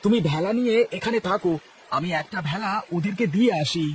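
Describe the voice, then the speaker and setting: A man voicing a kindly village landlord in a cartoon, who starts his lines with a drawn-out "e-". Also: high voice, slight background noise, lightly acted. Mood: urgent calling. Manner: calls out with a drawn "e-" before lines. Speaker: cartoon voice actor. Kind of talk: dubbed cartoon acting.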